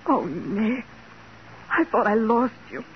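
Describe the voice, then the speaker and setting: An actress playing a detective's anxious, devoted young secretary, with an American accent and an emotive, fretful manner in 1940s radio drama style. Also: female voice, a little high, lively intonation, takes it slowly, breathy edge, exaggerated voice. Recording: dull, noisy 1940s radio recording.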